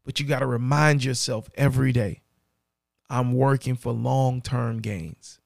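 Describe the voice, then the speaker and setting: A man with a raspy voice and a dry throat, hosting a podcast and speaking earnestly and directly to the listener. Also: mid-range voice, steady tone, a little slow, no echo. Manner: earnest, repeats key phrases, addresses listener directly. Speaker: podcast host. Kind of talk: motivational podcast monologue.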